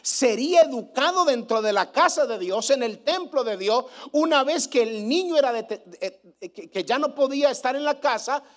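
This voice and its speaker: A man's voice: very high voice, lively intonation, moderate pace, hardly any pauses, fairly bright tone. A male pastor preaching a sermon, emphatic and repetitive, asking his congregation rhetorical questions. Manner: emphatic preaching, repeats phrases for weight.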